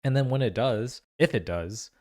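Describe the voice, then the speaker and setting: A man's voice: mid-range voice, lively intonation, moderate pace, mellow. A man giving casual game reaction and analysis commentary, musing aloud with lots of questions and informal slang. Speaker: reaction video host.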